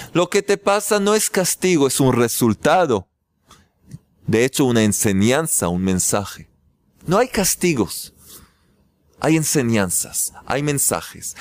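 Animated, lively male spiritual teacher. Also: mid-range voice, dry recording, clean studio sound. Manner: animated storytelling, acts out shouted scenes; emphatic repetition of key phrases. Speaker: religious teacher. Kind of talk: spiritual class lecture.

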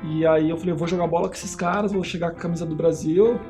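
Animated Brazilian man telling a story. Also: a little high, fast, faint music behind. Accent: Brazilian Portuguese. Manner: animated, acts out voices in his stories. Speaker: missionary guest. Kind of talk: casual storytelling.

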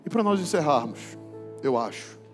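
High-voiced Brazilian pastor preaching over music. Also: male voice, expressive, normal speed. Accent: Brazilian Portuguese, from Belém. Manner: casual slang mixed with preaching, rising to fervent. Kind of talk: sermon.

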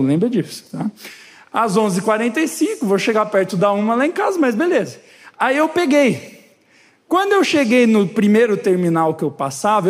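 Man, pastor, lively story-driven sermon, quite high pitch, echoing hall. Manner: animated, lively storytelling with quoted dialogue. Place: church hall. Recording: long hall reverb.

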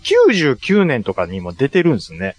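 A man's voice: medium pitch, wildly swooping pitch, moderate pace. A man with a Kansai accent, co-hosting a casual podcast chat, joking and apologizing playfully. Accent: Kansai Japanese. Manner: playful, jokey, polite to the host. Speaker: podcast co-host.

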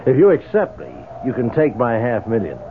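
A man's voice: mid-range voice, very animated, normal speed, close to an everyday voice. An actor playing a skeptical, self-assured man, blunt and unruffled, in a 1970s radio drama. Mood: cool, skeptical. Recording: tinny, noisy 1970s radio recording.

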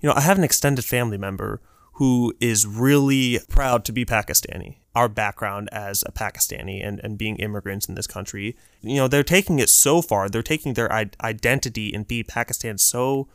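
A man's voice: lowish voice, fairly quick, no echo, studio quality. Earnest, preachy young man. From United States. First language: Urdu. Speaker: podcast co-host. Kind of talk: faith podcast conversation.

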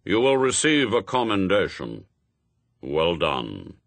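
A man voicing a lofty, imperious heavenly spokesman for God in a storybook, speaking in a pompous, measured, formal way. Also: deep voice, huge pitch swings, creaky, fairly bright tone, no echo, heavily acted. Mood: solemn, patronising.

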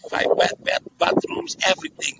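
A man's voice: normal speed, very noisy. A man with an Aruban accent talking casually as a tour guide, explaining things conversationally and often repeating phrases or checking in with a "yes?". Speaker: tour guide being interviewed.

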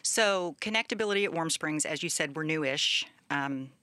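A woman executive director answering interview questions in a measured, explanatory way. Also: deep voice, sharp tone, dry recording.

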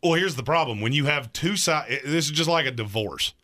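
A man's voice: a little high, animated, fairly quick, bright, forceful tone. A man in his thirties co-hosting a sports talk radio show, making emphatic, argumentative points. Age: 30s.

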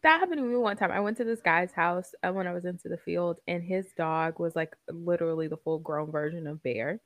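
A woman chatting casually while reacting to a show, telling stories and laughing often. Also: a little fast. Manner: animated storyteller, laughs often, acts out quotes in high voices.

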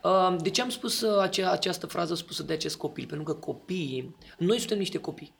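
A man's voice: high voice, vocal fry. A man in casual podcast talk, explaining his ideas and often checking that the listener agrees.

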